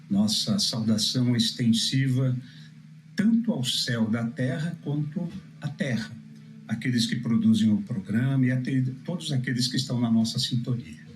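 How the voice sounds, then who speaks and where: Male preacher, Brazilian, medium register, didactic and unhurried phrasing with searching pauses, teaching religion. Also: medium pitch, a little hiss or hum, low-quality recording. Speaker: preacher, guest answering questions. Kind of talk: religious teaching, explanatory answer.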